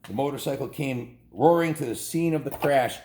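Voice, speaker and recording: A man's voice: mid-range voice, normal speed, mellow, reverberant. A man reading a children's story aloud in an informal, homespun way, stumbling and correcting himself with casual asides.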